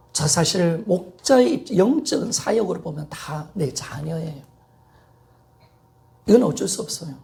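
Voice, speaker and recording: Male pastor in his 50s, fervent Sunday sermon in church, gravelly tone, swooping lively delivery. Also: sits high. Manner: impassioned preaching with repetition and call-and-response.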